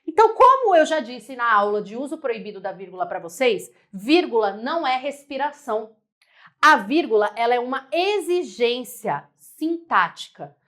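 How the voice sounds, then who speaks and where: Brazilian lady teacher, bit high voice, repeats herself a lot, keeps asking tudo bem. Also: normal speed. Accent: Brazilian Portuguese. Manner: lively, repeats phrases, checks in with viewers. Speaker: Portuguese teacher. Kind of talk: live online grammar lesson.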